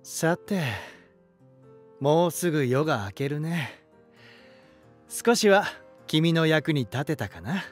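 An actor playing an elegant, romantic lighthouse spirit in a voice drama, gentle and warm, with poetic, softly teasing delivery. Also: male voice, on the high side, expressive, slow pace, long pauses. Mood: kindly teasing. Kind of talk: Japanese voice drama monologue and dialogue. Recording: music behind. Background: music.

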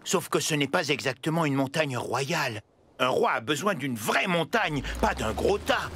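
A man's voice: a little high, expressive, moderate pace. A man voicing a boastful, playful dump truck in a children's cartoon dub, speaking grandly and theatrically. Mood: grandiose, playful. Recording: loud music underneath.

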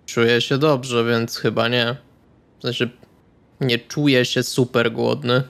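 A man playing a stone-faced, polite male vampire in tabletop roleplay, deadpan and formal. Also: mid-range voice, slow, vocal fry. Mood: flat, calm.

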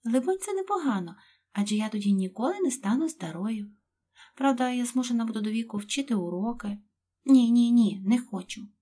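A woman voicing young Alice, a curious girl musing aloud to herself, in a husky voice. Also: on the high side, fairly quick. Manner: lively, musing.

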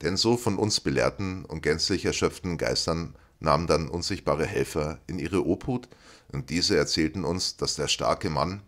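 Deep-voiced male audiobook narrator. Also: a bit bright.

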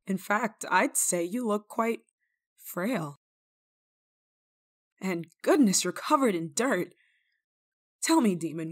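A woman acts out a fearless village nun in an audio roleplay. Her mid-pitched voice is theatrical and scolding, with teasing turns and dramatic pauses. Beneath the sternness she is kind-hearted. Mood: awed, wondering. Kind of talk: ASMR roleplay monologue, dramatic acting.

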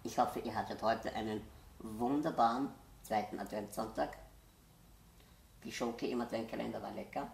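A woman reading a children's Christmas story aloud as host, gentle and unhurried. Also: very deep voice, fairly even intonation, gravelly, a little hiss or hum. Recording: roomy echo.

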